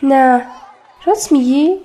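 A woman's voice: high voice, warm tone, some chatter behind, lightly acted. A woman playing chirpy Roxana. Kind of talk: radio drama acting.

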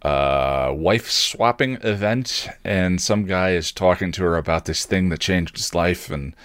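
A man's voice: low voice, unhurried, fairly bright tone, no room sound. A man hosting a casual solo podcast, talking in a digressive, self-deprecating way and often correcting himself mid-thought. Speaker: podcast host.

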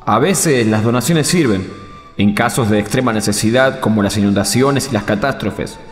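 A man's voice: on the low side, moderate pace, natural voice. An Argentine man playing a well-meaning young volunteer in a radio drama, apologetic and earnest as he explains himself. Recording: echoey hall reverb, music behind.

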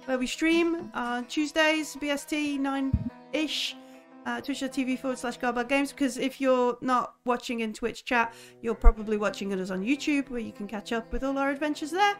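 A woman's voice: sits high, moderate pace, faint music behind. A woman hosting and running a tabletop game, wrapping up a stream in casual chat with plenty of ums. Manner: chatty, lots of ums. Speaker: game master and stream host.

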